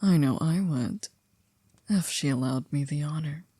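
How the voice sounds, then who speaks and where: A woman playing a poised, coolly controlling maid to a vampire in an ASMR roleplay, speaking formally and politely in a hushed, breathy, often near-whispered voice. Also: low voice, no echo. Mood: calm, devoted. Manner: formal, polite, measured, with stiff wording.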